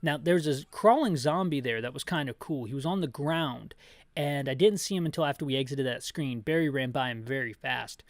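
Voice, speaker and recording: A man hosting a descriptive video game playthrough, chatty and tangential, rephrasing himself with playful deadpan humor. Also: mid-range voice, a little fast, no echo. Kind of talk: descriptive video game commentary with rambling opinions.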